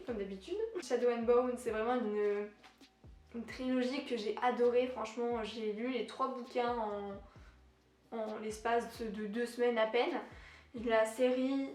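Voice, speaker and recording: Young female book vlogger, casual and self-deprecating, a touch high-pitched. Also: far from the mic. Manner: chatty, self-deprecating, laughs often. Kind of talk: casual book haul chat. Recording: echoey room.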